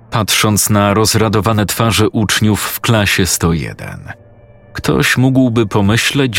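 A man reading a creepypasta horror story aloud as narrator, in a measured storytelling delivery. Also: sits low, vocal fry, a bit bright. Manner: measured storytelling delivery, acting out characters' voices.

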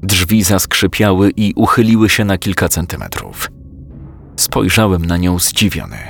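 A man calmly narrating a first-person story, voicing the dialogue himself. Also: deep voice, vocal fry, a little hiss or hum. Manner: calm, measured storytelling with quoted dialogue.

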